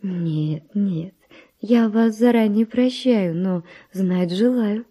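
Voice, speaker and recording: An actress playing a virtuous young Spanish noble widow, with refined, breathy, emotional delivery in a verse radio drama. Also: female voice, mid-range voice, slow, warm tone. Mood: insistent curiosity.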